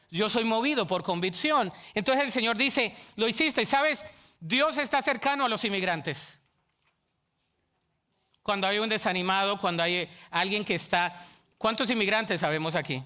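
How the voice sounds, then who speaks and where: Emphatic male pastor, high ringing voice, preaches with loud bursts and questions to the room. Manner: animated and emphatic, calls out to the congregation; admits to being a shouter. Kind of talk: sermon. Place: church sanctuary.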